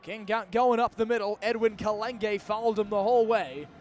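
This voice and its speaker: A man's voice: high voice, moderate pace, a little mellow. A man in his twenties doing live radio football play-by-play in clipped, urgent phrases from a stadium. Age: 20s. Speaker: play-by-play announcer. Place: outdoors at a college football stadium. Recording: outdoor stadium ambience, faint background noise.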